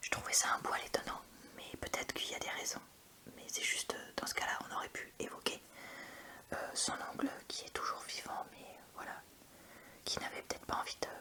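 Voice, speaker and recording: A woman whispers at a moderate pace in a strong French accent, with long, frequent pauses, big swings in loudness and noticeable background noise. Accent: strong French accent (when speaking English). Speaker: ASMR youtuber. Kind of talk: casual vlog chat. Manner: hesitant, many fillers.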